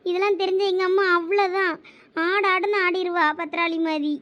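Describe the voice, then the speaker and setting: A woman plays a college girl with a Thoothukudi Tamil accent in a cartoon. Her voice is very high and squeaky, and she frets and scolds her friend nonstop. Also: fairly even intonation, brisk, muffled recording. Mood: worried. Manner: fretful, scolding, exclaiming. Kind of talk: cartoon voice acting.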